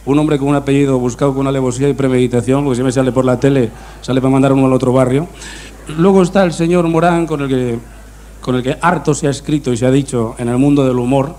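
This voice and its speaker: A man's voice: mid-range voice, slight background noise. A man doing a mock-serious comic monologue full of puns. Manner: deadpan punning humor, mock-serious delivery. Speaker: comedian.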